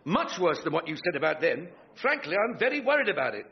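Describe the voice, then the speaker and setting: A man's voice: a little high, sing-song, quick pace. A man playing a pompous, indignant, gloomy election candidate in an English-accented radio sitcom. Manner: pompous, theatrical. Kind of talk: British radio sitcom acting before an audience. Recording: dull recording with loud audience noise.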